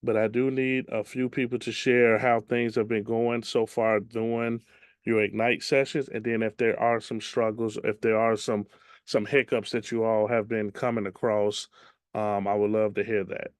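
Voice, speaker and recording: A man teaching an online class as a real estate trainer, his voice slightly raspy from much teaching, chatty and relaxed with many ums. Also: lowish voice, normal speed, no echo, clean studio sound. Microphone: video call.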